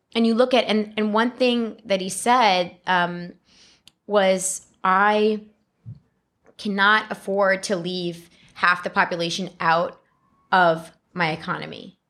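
In a very clean recording with a silent background, a woman with a New York accent speaks very slowly at medium pitch, with fairly even intonation and long, frequent pauses. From New York City, the Bronx. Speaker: managing director, entrepreneur support. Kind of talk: interview conversation. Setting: studio.

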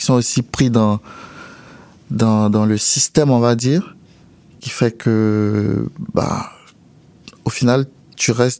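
A man speaks at a very slow pace with long, frequent pauses, a medium pitch, a dark, mellow tone and fairly even intonation. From Côte d'Ivoire. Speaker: physician, doctoral student. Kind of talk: panel discussion. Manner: halting, repeats words.

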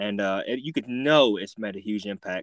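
Recorded very cleanly with a silent background, a man talks at a fairly quick pace with ordinary pitch variation in a dry, close sound with no echo. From North Alabama. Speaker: sports podcast co-host. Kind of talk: casual chat.

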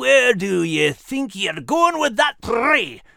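Putting on a character voice, a man growls in an extremely high pitch with a raised, projected voice, very wide pitch swings and a fairly slow pace. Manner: growling, menacing.

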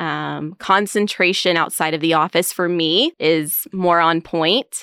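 A woman speaks at a fairly slow pace, her pitch fairly low. The sound is dry and close with no echo, a very clean recording with a silent background. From South Georgia, US. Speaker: trust company professional.

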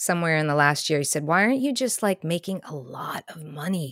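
A woman with an American accent, fairly low pitch and a fairly quick pace, in an unremarkable speaking voice. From Massachusetts, US. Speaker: spiritual educator and coach. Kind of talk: casual coaching conversation.

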